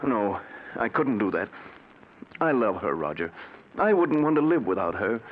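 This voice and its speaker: A man's voice: lowish voice, big pitch swings, moderate pace, a little hiss or hum. An actor playing a wealthy, lovesick male stockbroker who pleads with his wife in a 1940s radio drama. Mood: pleading. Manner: pleading, then possessive and frantic. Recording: dull old radio broadcast.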